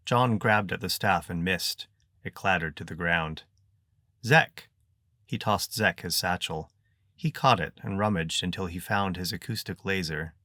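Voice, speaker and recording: A man narrating an adventure story in an even, measured way. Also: low voice, no echo, clean studio sound. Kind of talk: audiobook narration.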